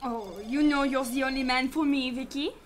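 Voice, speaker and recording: A woman acts out a young detective's assistant in a sci-fi radio drama. Her voice is high, sassy and wheedling, with a sarcastic, teasing edge. There is faint noise behind her. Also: steady tone, moderate pace, natural voice.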